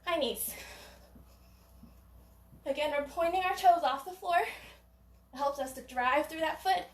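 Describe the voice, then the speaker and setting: A woman's voice: sits high, measured pace. A woman coaching a gymnastics workout in a casual, self-deprecating way, out of breath from exertion. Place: indoor gym. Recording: echoey gym, roomy sound.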